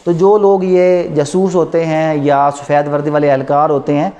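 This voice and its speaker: A Pakistani man with a fairly high-pitched voice delivers a classroom law lecture. His manner is didactic, as he keeps putting short questions and then supplying the answers himself. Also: flat delivery, normal speed, mellow.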